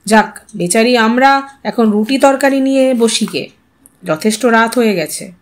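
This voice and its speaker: A woman voicing a calm, teasing middle-aged father with a wry, unhurried manner, in an audio story. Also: on the high side, lightly acted. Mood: amused, teasing.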